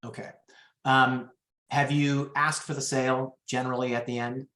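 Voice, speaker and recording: A man running a real estate training webinar over a video call, telling lively stories and acting out quotes. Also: medium pitch, normal speed, echoey room. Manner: lively storyteller, acts out quotes.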